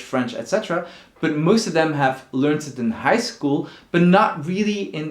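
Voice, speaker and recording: Man teaching, echoey room. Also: medium pitch. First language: Dutch. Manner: thoughtful, repeats words while searching for phrasing. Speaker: Dutch language teacher. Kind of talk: casual explanatory talk to camera.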